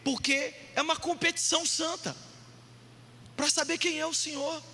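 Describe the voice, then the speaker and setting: A male pastor preaching an animated, jokey sermon, shouting out points for emphasis in a church hall. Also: extremely high pitch, normal speed. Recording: long hall reverb.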